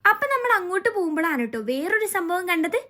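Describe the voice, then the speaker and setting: High, fast-talking Malayali woman vlogger. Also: expressive, pushed and bright. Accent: Kerala Malayali. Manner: mixes English words into Malayalam. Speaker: family vlog host. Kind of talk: chatty vlog narration.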